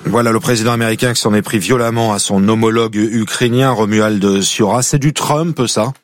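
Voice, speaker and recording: A man hosting a news interview, briskly putting questions to his guest. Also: lowish voice, fairly even intonation. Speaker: news host.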